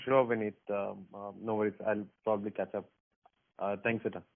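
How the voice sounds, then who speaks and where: A man asking questions as an analyst on a conference call, hesitant and pausing often between phrases. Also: fairly low pitch, little pitch movement, vocal fry. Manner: hesitant, drawn-out pauses. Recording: tinny phone line.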